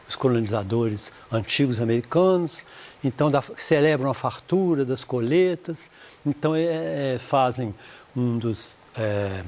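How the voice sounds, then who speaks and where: A man with a Brazilian Portuguese accent teaching English in a recorded lesson. He explains slowly and says the English words with care. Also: mid-range voice, darkish tone.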